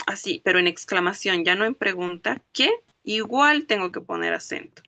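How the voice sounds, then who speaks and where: A language teacher gives a classroom grammar lesson in a medium-pitched, expressive, sharp voice with no echo. She explains slowly and step by step, often checking comprehension with "¿ok?" and "¿no ve?".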